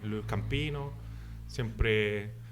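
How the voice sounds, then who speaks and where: A man's voice: lowish voice, drawn-out words, slight background noise. A man from Santiago with a Chilean Spanish accent, recounting his childhood casually as a podcast guest, hesitant and full of fillers. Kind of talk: casual chat.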